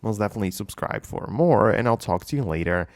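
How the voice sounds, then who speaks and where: A man's voice: fairly low pitch, expressive, fast, dry recording, studio quality. A man hosting a tutorial, explaining things in a casual, offhand, informal way. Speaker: tutorial channel host. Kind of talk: casual tech tutorial narration.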